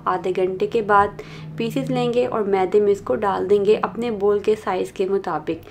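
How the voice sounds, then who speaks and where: A woman hosting a cooking channel, talking through a recipe step by step in a patient, instructive voice-over. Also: mid-range voice. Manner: instructive, repeats steps patiently.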